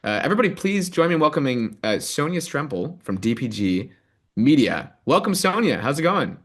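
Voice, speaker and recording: A man leading a live software demo and then interviewing a guest over a video call, talking with eager energy and many ums. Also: on the high side, a little fast. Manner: animated, enthusiastic, many ums and rights. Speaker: product manager giving a demo and host.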